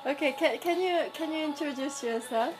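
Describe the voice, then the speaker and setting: A woman's voice: sits high, music in the background, poor audio. A Korean woman hosting a podcast in English, her second language, speaking hesitantly with frequent small laughs. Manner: slow, hesitant, laughs often. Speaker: podcast host. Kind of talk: casual conversation.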